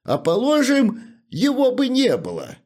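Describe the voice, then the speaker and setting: A gruff, commanding old butler, as a male reader puts him on, issues orders in this storybook reading. His stern voice sits slightly raised and moves with lively inflection. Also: medium pitch, normal speed, pitched above the performer's own voice. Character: stern, bossy older male house butler. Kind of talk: audiobook character reading.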